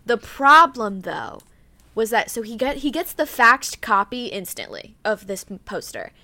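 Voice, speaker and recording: A woman's voice: fairly high pitch, big pitch swings, unhurried, pushed and bright, no room sound. A young woman co-hosting a true-crime podcast, telling a case in casual chat full of "like" and "um". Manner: chatty, full of "like" and "um", reads notes aloud. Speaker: podcast co-host.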